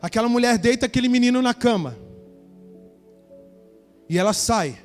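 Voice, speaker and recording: A man's voice: extremely high pitch, lively intonation, normal speed, faint music behind. A male pastor preaching a sermon, telling a Bible story with acted dialogue and speaking straight to the congregation. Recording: church hall with reverb.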